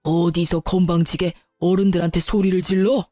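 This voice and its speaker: A woman's voice: lowish voice, flat delivery, normal speed, dark tone, no room sound, clean studio sound, faint music behind, natural voice. A woman voicing a scornful, nagging middle-aged mother-in-law who sighs and belittles. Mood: scolding. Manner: sighing, sneering, belittling.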